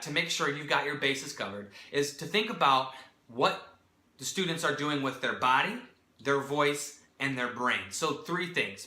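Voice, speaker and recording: A man who works as a teacher, clearly and methodically explaining how to give classroom directions. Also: a little high, sharp tone, roomy sound. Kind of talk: instructional talk to new teachers.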